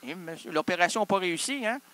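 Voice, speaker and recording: High-pitched and fairly bright, this man's voice moves at a quick pace with lively intonation. He's a comic performer with a Québécois French accent, improvising an absurd, rambling monologue packed with wordplay and self-answered questions.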